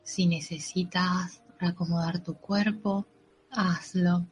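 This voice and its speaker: A woman narrating a guided meditation in a soothing, unhurried way, with gentle pauses. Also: on the low side, fairly even intonation. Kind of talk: slow guided meditation with affirmations. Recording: dull lo-fi audio with soft music. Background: soft background music.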